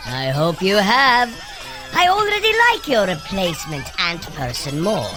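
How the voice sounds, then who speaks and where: An actress playing a proud, ancient thunder deity in a comedy audio adventure, with a stately, teasing manner. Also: female voice, on the low side, very animated, measured pace, sharp tone, faint music behind, heavily acted. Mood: amused, gloating.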